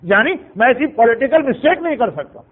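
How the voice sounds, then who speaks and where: A man's voice: very high-pitched, very animated, husky, exaggerated voice. A man voicing a worried older ruler who insists he could not have made such a mistake. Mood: pleading. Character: worried older male ruler denying blame. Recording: tinny phone-like sound.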